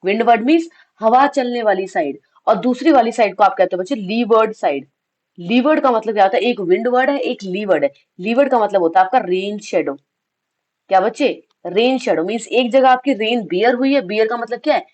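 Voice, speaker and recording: A woman from India with a slightly high, somewhat mellow voice teaches an exam revision lesson at normal speed despite a slightly sore throat. She asks questions and answers them herself, mixes in English phrases, and calls her students "kids."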